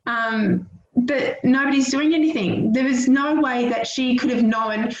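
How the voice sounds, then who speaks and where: Aussie woman near tears, talks fast and upset, echoey dull recording. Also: on the high side. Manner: upset, rushes through her account. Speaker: interview guest. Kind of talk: phone interview.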